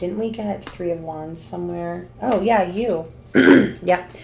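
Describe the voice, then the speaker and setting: Audible room echo around a woman speaking at a moderate pace. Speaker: tarot reader. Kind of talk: tarot reading monologue. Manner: casual, hesitant with fillers.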